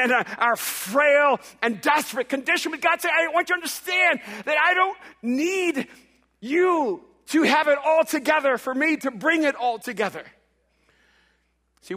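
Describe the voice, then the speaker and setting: In a large church hall, a middle-aged Salvadoran pastor whose first language is Spanish preaches into a stage microphone, his sermon swinging between loud declarations and hushed quiet. His voice is extremely high-pitched.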